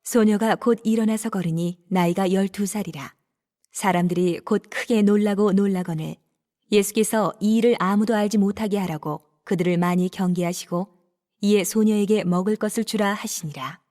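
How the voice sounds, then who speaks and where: A woman narrating scripture in a steady, measured reading. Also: mid-range voice.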